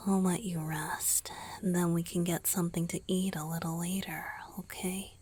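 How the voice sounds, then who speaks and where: A woman voicing a tender romantic young male vampire boyfriend in a gentle, breathy whisper for an ASMR roleplay. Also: on the low side, flat delivery, pitched below the performer's own voice. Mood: gentle, caring. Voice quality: breathy, airy. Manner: slow, gentle, intimate.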